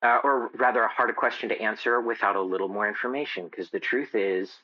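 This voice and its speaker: A man talking as a podcast guest in a casual, explanatory way, halting as he thinks aloud. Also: on the low side, fairly even intonation, no room sound, muffled recording. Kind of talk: casual interview chat.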